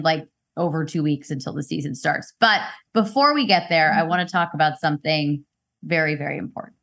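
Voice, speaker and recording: A woman hosts a sports podcast, chatting casually and playfully with a guest, often laughing and teasing. Her voice is lowish and a bit bright.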